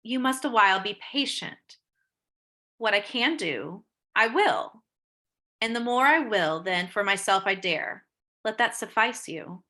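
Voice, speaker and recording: A woman reading the part of a gentle, troubled young noblewoman in Shakespearean verse, earnest and expressive. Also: mid-range voice, measured pace. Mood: earnest, regretful. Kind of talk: Shakespeare read-aloud, dramatic verse.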